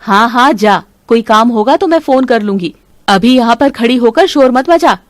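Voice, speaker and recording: A woman voicing a scheming, bossy middle-aged mother-in-law in an animated story, talking in a sharp, scolding, sly way. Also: on the high side, normal speed, no room sound, clean studio sound, close to an everyday voice.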